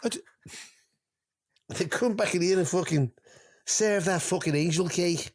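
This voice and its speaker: A man's voice: high-pitched, a little slow, pitched above the performer's own voice. A man putting on a foul-mouthed, bullying Liverpool kitchen boss who barks sweary orders. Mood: barking.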